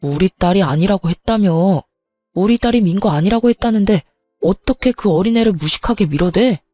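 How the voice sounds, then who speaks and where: A woman's voice: mid-range voice, lively intonation, moderate pace, mellow, no room sound, faint music behind, close to an everyday voice. A woman voicing an angry husband who confronts his mother with reproachful questions. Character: husband, angry middle-aged man.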